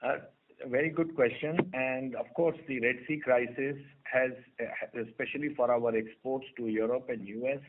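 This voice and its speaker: A man giving formal, unscripted business answers as a company executive, phrasing them in a deliberate, halting way. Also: medium pitch, steady tone, slight background noise. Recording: narrow telephone conference line.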